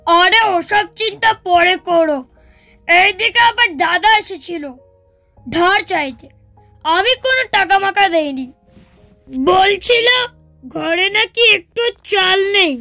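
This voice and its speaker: Curt, stingy younger brother, voiced by a performer; very high, bright and slow. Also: male voice, no room sound, faint music behind, full character voice. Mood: dismissive. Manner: curt, dismissive. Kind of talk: cartoon voice acting.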